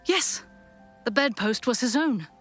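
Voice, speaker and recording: A woman playing the storyteller of a Victorian ghost tale, narrating dramatically in a measured, suspenseful way. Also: a little high, animated, soft background music. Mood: rising wonder.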